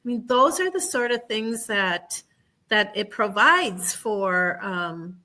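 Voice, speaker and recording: Bright-voiced woman senator chatting. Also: medium pitch, lively intonation. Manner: warm, measured, many fillers. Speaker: state senator and guest. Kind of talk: casual radio conversation.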